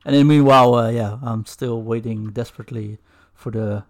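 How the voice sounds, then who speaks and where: A man hosting a casual video podcast over a call, relaxed, laughing often and filling pauses with "uh". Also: medium pitch. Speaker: podcast host.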